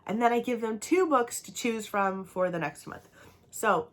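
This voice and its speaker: A woman's voice: on the high side, animated, moderate pace. A woman in her thirties from Canada, talking casually to camera about books she wants to read; she rambles in a chatty way, sounds a little tired, and is slightly snuffly from a cold. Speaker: book vlogger.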